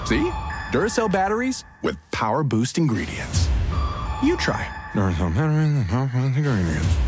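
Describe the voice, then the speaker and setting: Male ad narrator, lively playful read, clear music bed underneath. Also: medium pitch. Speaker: commercial voice-over. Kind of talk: scripted ad read.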